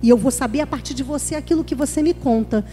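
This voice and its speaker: High-voiced woman pastor from Rio. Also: quick pace, mellow, soft background music. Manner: conversational, acts out little everyday dialogues. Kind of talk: church workshop talk. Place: church hall. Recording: long reverb of a church hall.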